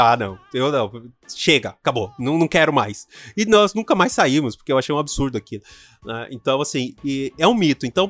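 A Brazilian man talks through his podcast in a loose, animated monologue, often checking in with the listener. His voice sits in an ordinary middle pitch. Faint music plays quietly behind him. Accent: Brazilian Portuguese. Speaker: sex coach and podcast host.

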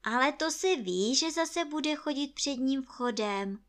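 A woman voicing a kind young boy with a gentle, fond manner in a storybook reading. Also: sits high, animated, voice pushed up.

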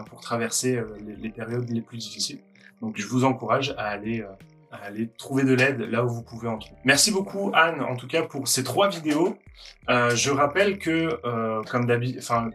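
A man hosting a Christian video talk, encouraging viewers with many halting restarts. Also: medium pitch, fairly bright tone. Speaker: host of Christian video channel.

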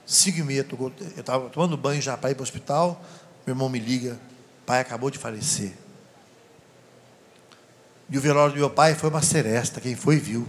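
A man preaching a sermon, telling personal stories to a live audience in an animated, laughing way. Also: mid-range voice, fast talker. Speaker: deacon preacher.

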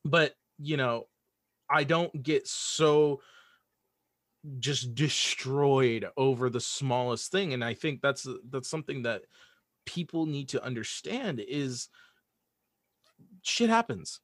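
A man's voice: medium pitch, takes it slowly, long pauses, no room sound, studio quality. A man speaking as a podcast guest in casual, opinionated conversation, earnest and emphatic, often repeating his points. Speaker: podcast guest, audio drama creator.

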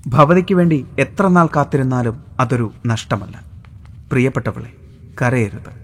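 Guy doing a polite earnest young american suitor, soft formal way of talking, storybook reading. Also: mid-range voice, lively intonation, normal speed. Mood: tender.

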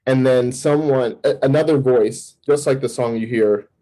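Male campus minister, interview guest. Mellow, slightly raspy tone. Animated storyteller who acts out his old thoughts, talking in quick bursts. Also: medium pitch, poor audio. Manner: fast bursts with restarts and fillers. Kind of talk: personal testimony in an interview.

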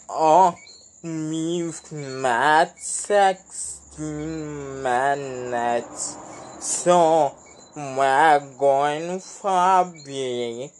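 An interview host asking questions in a halting way with many pauses. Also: medium pitch. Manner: very slow, halting, drawn-out questions. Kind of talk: interview hosting.

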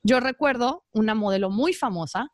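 A woman's voice: fairly high pitch, moderate pace, no echo, studio quality. A woman with a Mexican accent, a former model, telling stories in casual chat and acting out quoted voices. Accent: Mexican Spanish. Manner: animated storytelling, acts out quoted voices. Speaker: podcast guest, former model.

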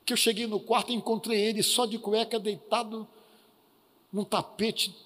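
Brief: Brazilian male preacher, high-pitched, telling a lively testimony, reverberant church. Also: normal speed. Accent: Brazilian Portuguese. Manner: lively storytelling with acted quotes. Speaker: pastor. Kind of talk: sermon testimony storytelling.

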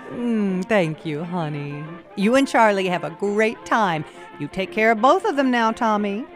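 Woman as an old grandma, kind but firm, mid-pitched, music playing under her. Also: lively intonation, unhurried, natural voice. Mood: tender. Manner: gently firm, compassionate. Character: kindly but stern elderly grandmother. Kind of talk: cinematic audio drama roleplay.

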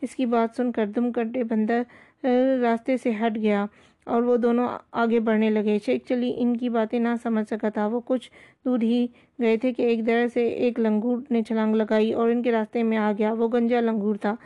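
A woman storyteller giving a steady, even scripted storybook narration. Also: a little high. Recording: dull lo-fi recording.

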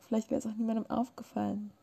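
A woman's voice: a little high, flat delivery, racing, vocal fry, warm tone. A tired young woman hosting a casual podcast, teasing her guest and laughing often, late at night from bed. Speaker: podcast host. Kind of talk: casual chat.

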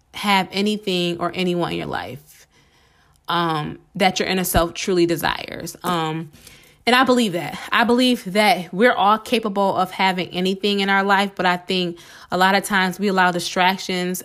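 A woman hosting a casual solo podcast, chatty and encouraging with many fillers, her voice slightly hoarse from a cold. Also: lowish voice, a bit bright. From United States. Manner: chatty and encouraging, many "um"s, addresses listeners as "y'all". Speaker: podcast host.

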